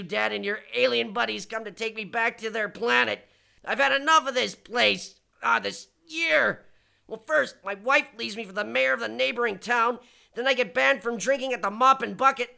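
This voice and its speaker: A man's voice: very high voice, vocal fry, pushed and bright, exaggerated voice. An actor playing a bitter, blustering forty-year-old man who rants, stammers and talks to himself. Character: bitter blustering fortyish loser anchor wannabe.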